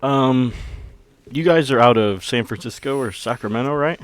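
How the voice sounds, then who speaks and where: A man's voice: mid-range voice, moderate pace. A man chatting casually as a player improvising in a tabletop roleplaying game.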